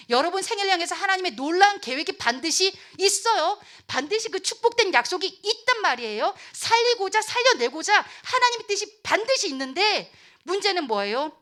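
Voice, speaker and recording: A woman pastor preaching to teenagers, animated, acting out voices and dropping to whispers for emphasis. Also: sits high. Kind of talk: youth sermon.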